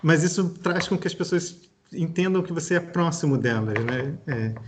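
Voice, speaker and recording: A man's voice: on the high side, expressive, moderate pace, noisy background. A young man from Brazil with a Rio de Janeiro accent, a guest historian in a casual podcast interview, thinking aloud and restarting his sentences. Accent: Brazilian Portuguese, Rio de Janeiro.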